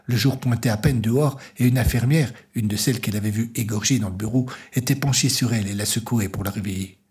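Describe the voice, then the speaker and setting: A man narrating an audio story in a measured, steady way, with music underneath. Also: fairly low pitch.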